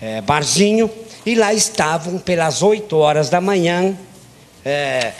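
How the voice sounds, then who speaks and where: Against noticeable background noise, a man with a high pitch talks at a very slow pace with lively intonation. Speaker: city councillor and tax auditor, panel moderator. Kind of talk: panel closing remarks.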